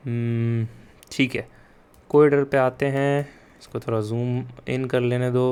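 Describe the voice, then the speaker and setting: A young man, a coding tutor, giving a casual spoken lesson. He talks to his students directly, checks in with them often, and explains slowly and deliberately. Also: mid-range voice, flat delivery, a little mellow, smooth. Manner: mixes Hindi and English, chatty with frequent "yaar" and "theek hai?"; addresses students directly and urges them to take notes.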